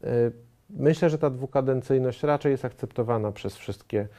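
Mellow-voiced man hesitating often. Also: mid-range voice. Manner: measured, with frequent hesitations and restarts. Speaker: studio guest, member of parliament. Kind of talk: political TV interview. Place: TV studio. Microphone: lapel mic.

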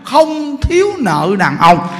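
A man with a Southern Vietnamese accent giving a Buddhist sermon as teacher, telling stories in an animated, joking way. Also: extremely high pitch, takes it slowly. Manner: animated, joking storyteller, laughs often. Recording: echoey hall, faint noise.

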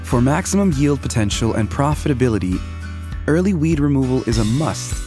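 A man giving scripted commercial and explainer narration as a voice-over artist, in a clear, measured announcer delivery. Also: mid-range voice, lively intonation, mellow, soft background music.

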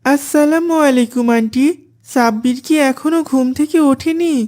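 A woman's voice: sits high, normal speed, darkish tone, lightly acted. A woman voicing a dutiful, devout young boy in a cartoon, polite and earnest.

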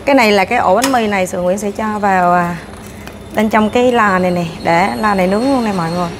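Casting note: woman in her 30s, chatty buffet vlogger on a lapel mic, steady mid voice, dishes clinking clearly behind. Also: medium pitch, quick pace, noisy background. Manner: chatty, narrating while serving herself food. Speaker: food vlogger. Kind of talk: casual walkthrough vlog. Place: hotel breakfast buffet room, indoors. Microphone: clip-on lapel mic.

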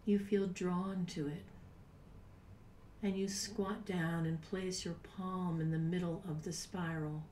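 A woman in her sixties leading a guided meditation in a soft, breathy, unhurried voice with long pauses, at times near a whisper. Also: fairly low pitch, fairly even intonation. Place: small home room, indoors. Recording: roomy, distant mic with background noise.

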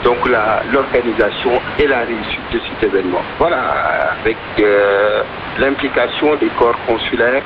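A man answering a radio interview in halting, hesitant phrases, heard over shortwave radio. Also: medium pitch, expressive. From Senegal. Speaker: festival organizer being interviewed. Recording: noisy, dull shortwave radio reception.

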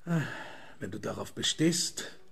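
An actor playing a loyal, worried gentleman in a German radio drama, speaking in a measured, formal and insistent manner. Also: lowish voice, lively intonation, vocal fry, slightly rough, full character voice. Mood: earnest, concerned.

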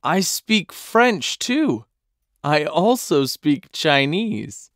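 Slow, lively man reading lesson lines. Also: fairly high pitch, no echo, clean studio sound. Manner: slow, clearly enunciated. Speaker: dialogue reader. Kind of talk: scripted language-lesson dialogue.

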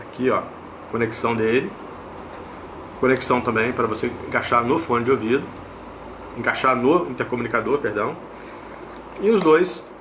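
A man's voice: mid-range voice, noisy background. A man with a Brazilian Portuguese accent hosting a casual product review, explaining step by step, repeating himself and checking in with little tag questions. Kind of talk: casual unboxing and review narration.

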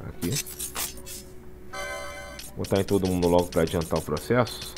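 A man's voice: low-pitched, normal speed, over music. Chatty Brazilian man narrating a game. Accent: Brazilian Portuguese. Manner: chatty, tacks on "tá?" after nearly every phrase. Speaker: gaming channel host. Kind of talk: casual gameplay walkthrough commentary. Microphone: voice-over commentary over game capture.

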